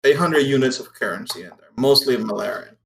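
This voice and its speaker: A man narrating a tabletop game as game master, explaining things in a halting way. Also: medium pitch, expressive, gravelly, fairly bright tone, reverberant, a little hiss or hum, low-quality recording.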